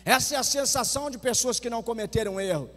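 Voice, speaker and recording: A man's voice: very high voice, quick pace, a bit bright. A man in his forties with a Brazilian Portuguese accent, preaching a sermon and telling personal stories with passion, acting out quoted voices. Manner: impassioned, acts out quoted voices. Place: church sanctuary. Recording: reverberant church hall with faint music.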